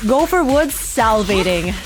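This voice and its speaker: A woman's voice: on the high side, lively intonation, normal speed, music in the background. A woman streaming a game with live, slangy, emotionally invested reaction commentary.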